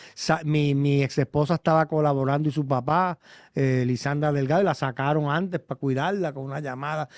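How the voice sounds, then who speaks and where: A man with a Puerto Rican accent speaks very fast in a fairly high pitch, recorded dry and close with no echo. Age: 60s. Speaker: former senator. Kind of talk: interview testimony. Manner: animated.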